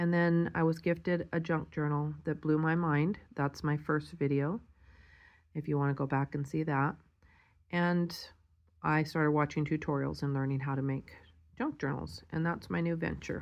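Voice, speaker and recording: A woman's very deep, low voice at a moderate pace, with fairly even intonation and very even loudness. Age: 60s. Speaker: crafting video creator. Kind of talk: casual show-and-tell tutorial. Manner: chatty.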